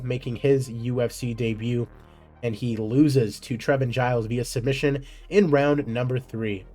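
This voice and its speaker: A man hosts a gaming series, running through simulated fight results in a relaxed, conversational way. His pitch sits in an ordinary middle range, and he drops offhand asides as he goes. Faint music plays underneath. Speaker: video game series host. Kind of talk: casual commentary on a simulated MMA career.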